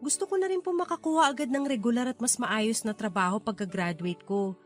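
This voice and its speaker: An earnest young Filipino daughter and working student , played by a woman in a radio drama. Her voice sits high and sincere, with soft music underneath. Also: a little fast, natural voice. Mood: earnest, reassuring. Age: young adult.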